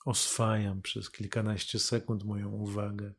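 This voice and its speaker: A man leading a guided meditation as a teacher, calm and unhurried, speaking in measured phrases with long pauses. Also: lowish voice, breathy edge.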